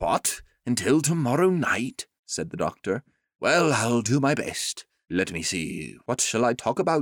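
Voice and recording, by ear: Reading aloud in a natural voice, with lively intonation over a quiet background.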